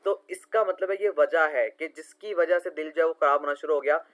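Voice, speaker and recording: Man tutoring, spelling words slowly. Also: on the high side, fairly bright tone, low-quality recording. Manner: explanatory, repeats and spells words slowly letter by letter. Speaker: online tutor solving quiz answers. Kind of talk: screen-recorded lesson explanation.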